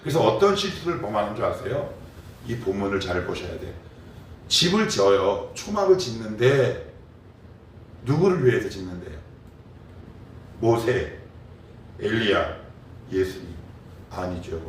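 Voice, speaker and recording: A man's voice: on the low side, sing-song, measured pace, long pauses, slight background noise. A middle-aged male pastor preaching at a morning prayer service, pressing the congregation with rhetorical questions and answering them himself. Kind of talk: sermon. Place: church sanctuary. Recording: very echoey church recorded from a distance.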